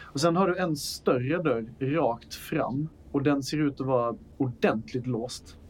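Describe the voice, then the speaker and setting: A man's voice: mid-range voice, husky. A man narrating as the game master of a tabletop role-playing game, in loose, chatty narration with fillers.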